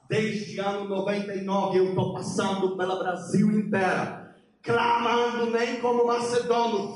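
A high-voiced man delivers a fervent church sermon as a missionary preacher. His Portuguese is halting and non-native, with a Polish accent, and his delivery is emphatic. He sounds away from the microphone in a very reverberant space. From Poland. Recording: very echoey hall, distant, faint noise.

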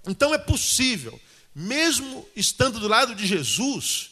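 High-pitched pastor preaching in a hall. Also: male voice, unhurried, husky. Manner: colloquial, animated preaching with repeated questions to the congregation. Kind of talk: sermon. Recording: long hall reverb.

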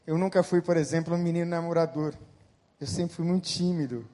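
A middle-aged man from Brazil, a pastor preaching a sermon that swings between loud emphatic peaks and quiet storytelling. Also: fairly high pitch, fairly even intonation, brisk.

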